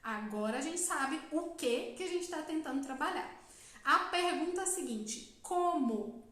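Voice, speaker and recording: A Brazilian woman gives a live-stream talk as a psychologist. Her voice sits high and carries through a strongly echoing room. She explains patiently and keeps checking in with her listeners. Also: lively intonation, unhurried, fairly bright tone. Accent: Brazilian Portuguese. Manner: explanatory, frequent "tá?" check-ins, asks questions and answers them herself.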